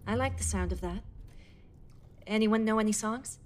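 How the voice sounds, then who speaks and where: A woman's voice: on the high side, moderate pace, lightly acted. A woman playing a teasing, restless crew member in a naturalistic sci-fi audio drama. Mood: restless, wistful.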